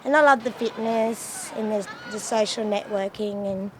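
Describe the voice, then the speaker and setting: A woman's voice: mid-range voice, fairly even intonation, normal speed. A woman nearing forty, a roller derby player speaking directly and upbeat in an interview. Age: 30s. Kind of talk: casual interview answers. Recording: noisy background.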